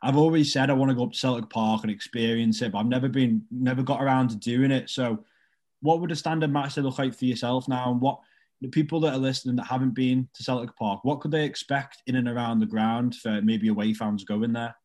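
A man with a medium-pitched voice hosts a casual interview. He puts his questions conversationally, as in a relaxed chat. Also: fairly quick.

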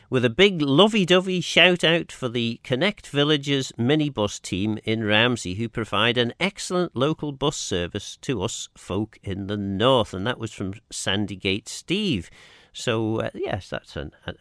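A man's voice: lowish voice, fairly bright tone, no room sound, clean studio sound. A man with a Manx accent hosts a radio phone-in, chatting casually and reading out listeners' texts in a hesitant, rambling way.

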